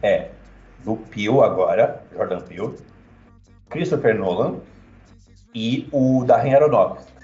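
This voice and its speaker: A man's voice: lowish voice, a little slow, long pauses, mellow, roomy sound, highs cut off. A man co-hosting a casual podcast chat, blunt and opinionated, swearing freely. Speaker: podcast co-host.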